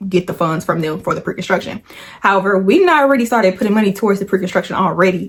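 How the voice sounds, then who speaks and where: This woman's voice has a medium pitch. A somewhat breathy quality runs through it. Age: 20s. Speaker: vlogger and real estate developer. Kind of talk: casual vlog talk to camera. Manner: fast.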